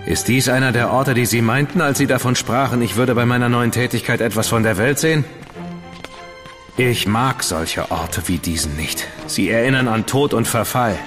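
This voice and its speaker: An actor playing an ironic, theatrical dandy in a radio drama. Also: male voice, mid-range voice, moderate pace, natural voice. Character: witty, theatrical male dandy, ironic and fastidious. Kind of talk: German radio drama acting. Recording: long reverb with music behind.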